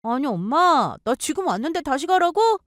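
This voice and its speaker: A woman's voice: high-pitched, very animated, normal speed, fairly bright tone, no echo, clean studio sound, pitched above the performer's own voice. A woman doing a shocked young sister-in-law. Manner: incredulous, questioning.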